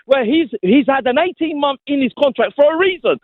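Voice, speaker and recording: A worked-up male phone-in caller on a tinny, dry phone line. His voice is very high and swings widely in pitch as he insists on his point. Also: expressive, fairly quick, dry recording. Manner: insistent, emphatic, cuts in. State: agitated, worked up. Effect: caller's voice heard over a phone line.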